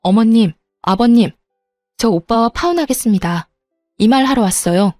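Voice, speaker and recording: Brief: a woman doing a young bride-to-be, sharp and heated, mellow, dry close sound. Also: fairly high pitch, normal speed, no room sound, soft background music, close to an everyday voice. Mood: cold.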